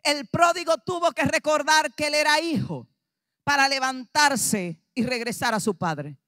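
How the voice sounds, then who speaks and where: Dominican lady pastor preaching, high bright voice, acts out the dialogue, shouts at times, dry close sound. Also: measured pace, no room sound. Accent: Dominican Spanish. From Dominican Republic. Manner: animated preaching, acting out dialogue, rising to shouts. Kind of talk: sermon.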